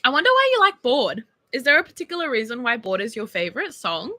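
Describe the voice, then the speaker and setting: An Australian woman, a singer chatting casually on a livestream from her bedroom, bubbly and animated as she reads fan texts. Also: fairly high pitch, quick pace, no echo.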